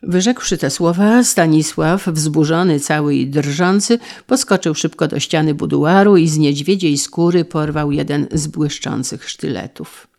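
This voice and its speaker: Low, gravelly woman narrator. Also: measured pace, few pauses, darkish tone. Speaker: audiobook narrator. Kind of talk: dramatic novel reading.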